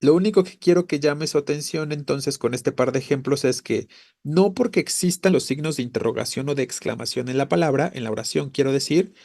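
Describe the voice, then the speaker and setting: A man's voice: fairly high pitch, vocal fry, a little mellow, no room sound, studio quality. A man teaching a language class, explaining patiently, often checking in with "¿no?" and correcting himself as he goes. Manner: explains patiently, tags phrases with "¿no?" and "¿vale?"; self-corrects mid-sentence. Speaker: Spanish teacher. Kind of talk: online class lecture.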